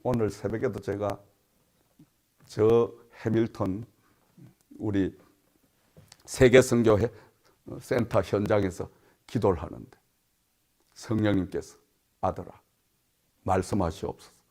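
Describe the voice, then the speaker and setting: A pastor in his seventies preaching a sermon with personal testimony, moving from hushed retelling to loud, fervent exclamations. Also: fairly low pitch, slow pace, long pauses. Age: 70s.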